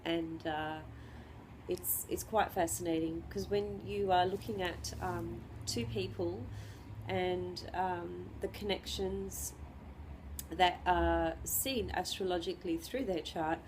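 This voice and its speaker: A woman astrologer with the flu giving an unscripted lesson, clearing her throat and pausing often with ums and restarts. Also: fairly low pitch, steady tone, darkish tone, slight background noise, low-quality recording. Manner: hesitant, many ums and restarts.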